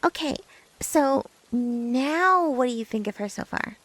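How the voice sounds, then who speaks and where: An obsessive, lovesick young woman, acted by a female performer in an ASMR roleplay. Her voice is high and very animated in pitch, rising and dipping often. She stammers and hesitates, flustered and defensive, like someone nervously confessing to a best friend. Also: a little slow, no echo, exaggerated voice, low-quality recording.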